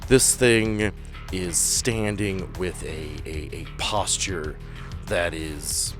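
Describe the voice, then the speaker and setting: A man running a tabletop roleplaying game as game master, improvising the narration in a dramatic, deliberate way with pauses. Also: low voice. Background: guitar-led music bed.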